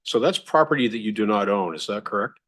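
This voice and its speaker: A man, a city councillor, asking polite, measured questions at a meeting. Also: on the low side, expressive, a bit bright.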